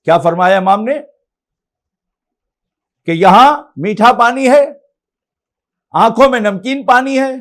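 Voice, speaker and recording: High-voiced man preaching a majlis sermon. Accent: Indian Urdu. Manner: addresses congregation directly, rising and falling oratory. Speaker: maulana giving a memorial majlis sermon. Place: studio.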